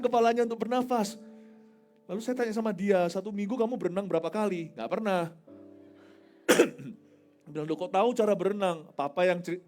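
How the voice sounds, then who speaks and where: A middle-aged man preaching a sermon as a pastor, telling stories with jokes and swinging between loud bursts and quiet moments. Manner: animated, joking storyteller with big swings in pitch and loudness. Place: large evening crusade, outdoors or big venue.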